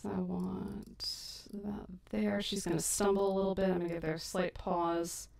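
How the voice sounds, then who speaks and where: A woman's voice: medium pitch, level tone, normal speed, gravelly, a little mellow, slight background noise. A woman hosting a casual editing livestream, chatty and self-deprecating, laughing often. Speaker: audio drama creator and host. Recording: echoey stream mic from a distance.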